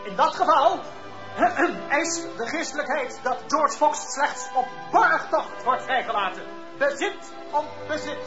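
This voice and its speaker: An actor playing a formal, insistent prosecutor for the clergy in a radio play. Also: male voice, very high voice, expressive, unhurried, dull audio, over music.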